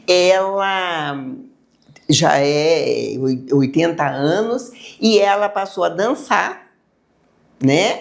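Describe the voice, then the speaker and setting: A woman who works as a therapist, talking conversationally as a guest in an interview. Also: lowish voice.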